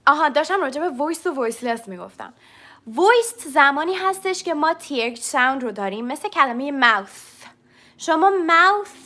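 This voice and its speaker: Bright high-voiced woman teaching English. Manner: explains step by step and demonstrates sounds; answers viewers' chat questions. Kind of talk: live-streamed language lesson.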